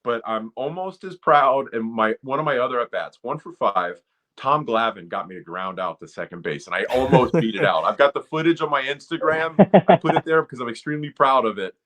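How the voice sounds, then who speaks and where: A man's voice: mid-range voice, brisk, a bit bright. Forty-something guy, ex-player, rambling funny baseball stories, easygoing. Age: 40s. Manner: chatty, self-deprecating anecdotes. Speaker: guest, former pitcher turned broadcaster. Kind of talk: casual storytelling interview.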